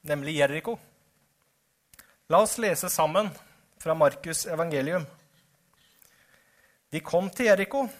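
A middle-aged male preacher with a high voice. He talks earnestly and straight to the people in front of him, now and then asking them questions. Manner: earnest, addresses the congregation directly. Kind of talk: sermon.

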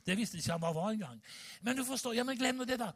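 A man preaching a testimony sermon and telling a story in a lively way, with exclamations along the way. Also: very high-pitched. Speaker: preacher and ministry leader.

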